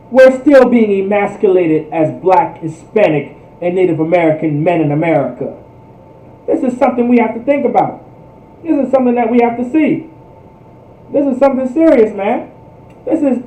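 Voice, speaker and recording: Fervent and emphatic, this man preaches his way through a religious history lesson, repeating phrases and using rhetorical turns. His voice is high-pitched and warm, and the distant mic picks it up in an echoey room.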